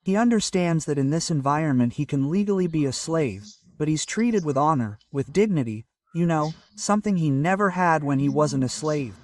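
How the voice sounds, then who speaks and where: Man, pastor, measured sermon delivery, slightly high voice, dry and a bit off-mic. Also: animated, a little mellow, no echo, distant mic. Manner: measured preaching with scripture citations.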